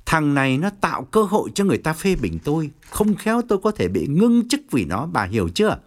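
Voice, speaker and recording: A harsh, domineering middle-aged chairman barks out blame and orders, as a male narrator puts him on. His pitch leaps and drops widely as he berates. It plays like a scene from a spoken storybook. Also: big pitch swings, a little fast. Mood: stern. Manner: furious scolding, then lowered calculating tone. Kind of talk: audiobook character reading.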